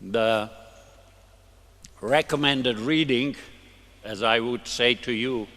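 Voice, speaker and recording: An older man with a Hungarian accent, a native Hungarian speaker, giving a halting, deliberate academic lecture to a conference audience. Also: mid-range voice, bright, forceful tone. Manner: halting, deliberate, with many restarts. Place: conference hall. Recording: long hall reverb.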